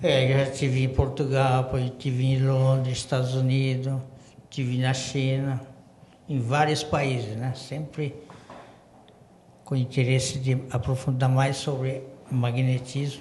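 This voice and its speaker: With audible room echo, a somewhat breathy voice moves at a fairly slow pace in monotone, flat intonation, with long, frequent pauses. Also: man, medium pitch for a man. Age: 70s. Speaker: magnetic therapist. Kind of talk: interview. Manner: halting.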